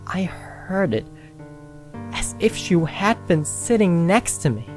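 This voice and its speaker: Narrator for a first-person tale: unhurried, pausing often between phrases, with soft instrumental music underneath. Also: medium pitch, very animated. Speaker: story narrator. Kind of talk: scripted first-person scary story narration. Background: music with guitar and piano.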